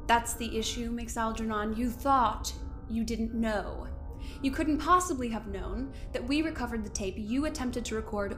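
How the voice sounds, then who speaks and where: A high-voiced, coldly menacing overseer. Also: female voice, a bit bright. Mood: smug, menacing. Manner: condescending, theatrical, measured. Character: coldly menacing woman overseer, smug, controlling, silky threats. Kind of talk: scripted audio drama acting.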